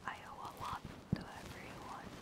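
A woman whispering breathily and casually into a close binaural microphone, chatting haltingly on an ASMR livestream. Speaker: VTuber streamer.

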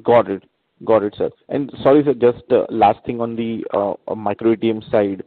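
A fairly deep male voice with an Indian accent, heard dry over a narrow telephone connection. He is an analyst putting questions on a conference call in a polite, hesitant way. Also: normal speed. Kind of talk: earnings call question, unscripted. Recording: narrow phone line with some room echo.

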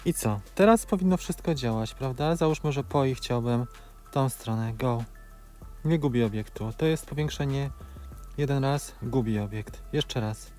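A man in his forties talks through each step of a drone flight in a calm, practical way, his voice sitting at a middling pitch. He pauses between phrases with filler sounds. Faint music plays under him. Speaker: drone video creator. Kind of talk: hands-on tutorial commentary. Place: outdoors in open grassland.

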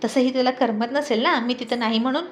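A shy young husband who talks in a hushed, teasing murmur, as a woman narrator puts him on. The voice sits a little high. It is read for a storybook. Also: steady tone, a little fast, slight background noise, natural voice.

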